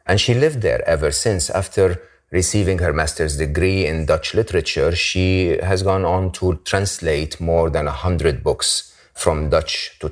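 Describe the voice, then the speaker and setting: A man hosting an interview podcast, moving between scripted introduction and conversational questions. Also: very deep voice. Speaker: podcast host.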